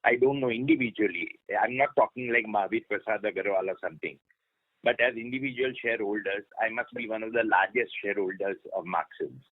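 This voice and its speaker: A man's voice: fairly low pitch, fast talker. An Indian-accented man, a shareholder on an earnings call, informally and insistently pressing his point over the phone. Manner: insistent, repetitive. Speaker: shareholder asking questions. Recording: narrow tinny phone line.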